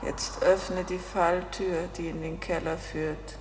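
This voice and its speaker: An actress playing a cold, insistent woman who gives measured orders and goads in a crime radio play. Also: fairly low pitch, flat delivery, big-room sound, background noise. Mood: hushed, commanding. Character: cold, commanding, goading woman accomplice.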